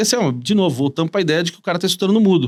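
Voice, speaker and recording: A man speaks in a high voice. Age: 30s. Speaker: content creator. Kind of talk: casual podcast conversation. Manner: casual slangy, with repetitions.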